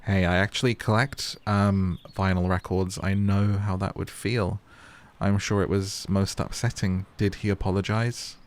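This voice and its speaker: Low voiced guy playing a game, teasing and joking around. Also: level tone, unhurried, slight background noise. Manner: playful, teasing, laughs often. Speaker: gaming host. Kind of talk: casual gameplay commentary.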